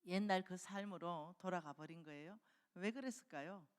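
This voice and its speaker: A woman preaching a revival sermon in a church, telling the story with lively acted-out dialogue. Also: lowish voice, moderate pace. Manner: animated storytelling, acting out quoted dialogue. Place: church sanctuary. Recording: long hall reverb.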